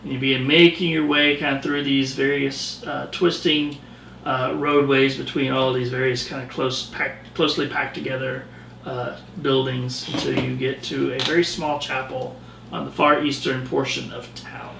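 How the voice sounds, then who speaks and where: Gravelly-voiced male game master. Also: mid-range voice, flat delivery, normal speed, background noise. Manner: loose descriptive narration with many fillers. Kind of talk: narrating a tabletop game. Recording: roomy distant recording.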